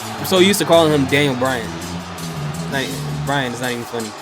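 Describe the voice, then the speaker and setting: A man's voice: medium pitch, music in the background, a crowd in the background. A man hosting a reaction video, chatting casually and laughing as he jokes along. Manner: laughs a lot, quick joking asides.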